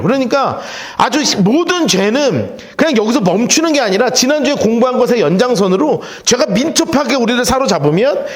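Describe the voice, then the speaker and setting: A male pastor leading a Bible study sermon, telling the story vividly and acting out the characters' lines. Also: very high-pitched. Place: church.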